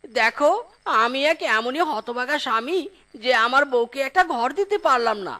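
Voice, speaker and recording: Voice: medium pitch, expressive, normal speed, bright, forceful tone. A performer voicing a disabled beggar husband in a cartoon, sorrowful and self-blaming, with a pleading, lamenting way of talking. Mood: despairing. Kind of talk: melodramatic cartoon story dialogue.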